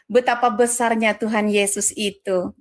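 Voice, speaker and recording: A woman from Madura sharing her faith story in a warm, affectionate chat, calling the listener dear. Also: mid-range voice, fairly even intonation, moderate pace. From Madura, Indonesia. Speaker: guest on live stream. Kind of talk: casual chat.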